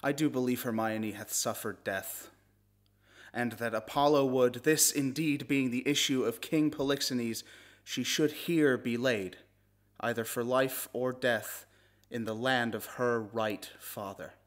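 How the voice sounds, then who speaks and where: Male actor as Shakespearean nobleman, sorrowful, reluctant, slow solemn verse, stage tragedy. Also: medium pitch, fairly even intonation, lightly acted. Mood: sorrowful, haunted. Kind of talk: classical stage monologue.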